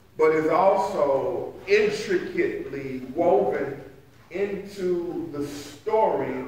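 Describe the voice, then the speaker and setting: A man's voice in strong room echo. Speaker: preacher. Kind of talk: sermon. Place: church.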